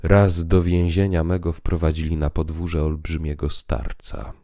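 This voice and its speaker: Male reader as calm visionary priest for literary audio drama: very low, mellow, deliberate and oratorical. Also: no echo, studio quality. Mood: grave, mysterious. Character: calm, grave priest telling visionary tales.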